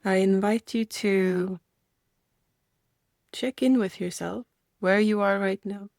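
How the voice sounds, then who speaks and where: A woman's voice: medium pitch, steady tone, creaky, no room sound. Woman guiding meditation, close dry sound. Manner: gentle, unhurried phrasing with soft invitations and reflective pauses. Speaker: meditation guide. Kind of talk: guided meditation, gentle instruction.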